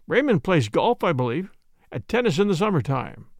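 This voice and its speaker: A man's voice: a little high, big pitch swings, normal speed, no echo, clean studio sound. A man voicing a brusque, matter-of-fact colonel and chief constable with clipped delivery, in a storybook reading.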